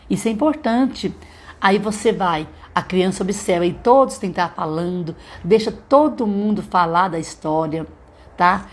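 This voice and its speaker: A woman, a literacy teacher giving a chatty live-streamed lesson to other teachers, often checking in with her listeners. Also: medium pitch. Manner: chatty, checks in with frequent tag questions.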